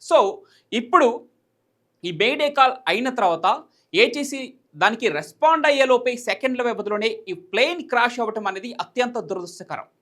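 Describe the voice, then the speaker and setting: A male news presenter talks at a rapid clip. He explains things emphatically and circles back over his points in a commentary style. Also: very high-pitched, lively intonation, fairly bright tone.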